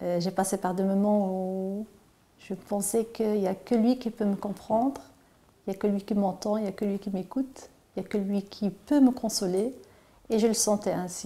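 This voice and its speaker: A woman's dark, mellow voice at medium pitch, with fairly even intonation and a moderate pace. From Morocco. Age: 40s. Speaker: volunteer teacher. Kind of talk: testimony. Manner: halting.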